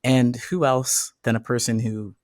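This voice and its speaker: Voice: medium pitch, fairly even intonation, measured pace, darkish tone, no room sound, studio quality. A podcast host chatting casually in an encouraging, upbeat and affirming manner. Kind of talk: casual interview chat.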